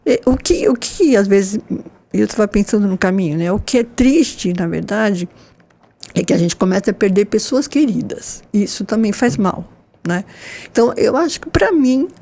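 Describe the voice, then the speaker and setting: A woman in her sixties, a nurse, talking warmly and expressively in a casual panel conversation. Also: mid-range voice, normal speed. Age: 60s. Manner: enthusiastic, expressive, with frequent "né?" tags. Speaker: nurse and guest.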